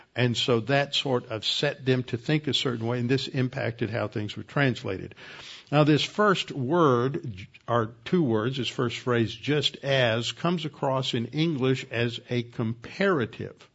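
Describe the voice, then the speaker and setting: A man speaks at a fairly slow pace with a Southern US accent. His voice is somewhat breathy. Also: medium pitch for a man, ordinary pitch variation. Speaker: pastor. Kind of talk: sermon. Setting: church.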